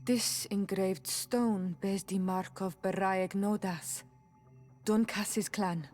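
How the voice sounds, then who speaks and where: A woman's voice: medium pitch, fairly even intonation, slow, a little mellow, faint music behind. A woman playing a proud, defiant young tribal chieftain's daughter in a video game, speaking earnestly and firmly. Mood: serious. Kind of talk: video game cutscene acting.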